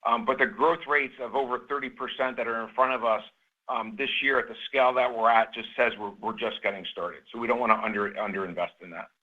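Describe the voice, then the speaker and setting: A man speaking as a company chief executive, giving measured, explanatory answers to analysts on an earnings call. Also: mid-range voice, steady tone. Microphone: conference call line. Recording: muffled phone-line conference call.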